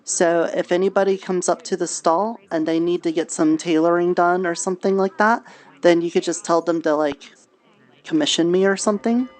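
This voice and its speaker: A woman's voice: on the low side, steady tone, normal speed, darkish tone, lightly acted. A woman playing a friendly, chatty tailor in an improvised fantasy roleplay, talking casually with playful, cutesy word choices.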